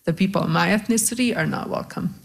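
A woman's voice: fairly low pitch, quick pace, gravelly. A woman in her thirties from Bosnia, a guest speaking thoughtfully on a panel, with many fillers and restarts. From Bosnia-Herzegovina. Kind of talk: reflective panel discussion.

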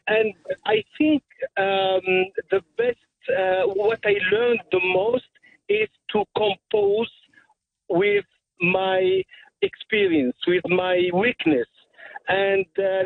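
A man's voice: very high-pitched, creaky, no room sound. A man in his fifties from Tunisia, calling in to a radio show and speaking hesitantly with many fillers and restarts. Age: 50s. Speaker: caller. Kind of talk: phone-in call to a radio show. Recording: tinny phone line.

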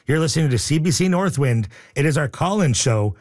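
A man hosting a radio call-in show, upbeat and joking, reading out the phone number slowly. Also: fairly high pitch, animated, darkish tone. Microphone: studio microphone.

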